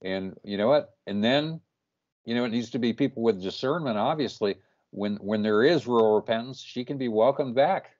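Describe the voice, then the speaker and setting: A man's voice: mid-range voice, moderate pace, darkish tone. A man hosting a Christian interview, firm and emphatic in casual talk. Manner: firm, emphatic, keeps saying "you know what". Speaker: host, Christian channel. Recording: muffled lo-fi call audio.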